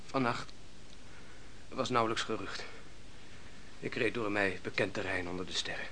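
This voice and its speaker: An actor playing an exhausted young shepherd turned soldier in a Dutch radio play, deferential, halting and reflective. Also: male voice, on the low side, bright, forceful tone, a little hiss or hum. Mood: tired, dreamy. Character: weary young male shepherd turned soldier, honest, haunted.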